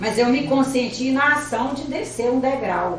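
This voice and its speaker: A woman speaks at a high pitch and a fairly slow pace. Audible room echo and noticeable background noise fill the recording. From Brazil, Minas Gerais. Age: 70s. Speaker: spiritist lecturer. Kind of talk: lecture. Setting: spiritist center lecture hall with audience.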